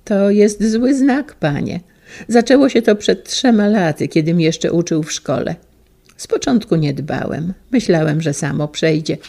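A woman voicing a gentle, wistful elderly male schoolteacher, speaking softly and haltingly. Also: fairly low pitch, animated, creaky, heavily acted. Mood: sorrowful. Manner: soft, halting and tender.

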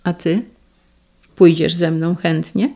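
A reader voicing a proud young man on the run in an audiobook, solemn and resolute, with some vocal fry. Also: fairly high pitch, flat delivery, takes it slowly, dark tone. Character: young outlaw lover, proud and defiant. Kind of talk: audiobook reading.

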